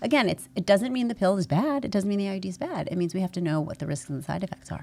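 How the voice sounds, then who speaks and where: Very fast and full of very wide pitch swings, a woman's fairly low voice carries vocal fry. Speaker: gynecologist. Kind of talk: casual chat.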